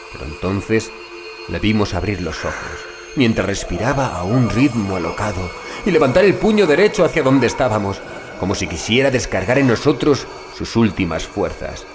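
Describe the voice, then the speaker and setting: A man narrating a horror audiobook as a shaken witness recounting grim events, in grave, literary, deliberate phrasing. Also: on the low side, animated, noisy background, lightly acted. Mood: tense, horrified. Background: music behind the voice.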